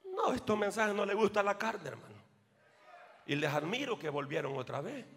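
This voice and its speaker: Preacher guy, high gravelly voice, yells then goes quiet, church echo. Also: big pitch swings, moderate pace, a little hiss or hum. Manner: swings between shouting and near-whispered asides, calls out to the congregation. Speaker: pastor. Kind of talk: fiery sermon.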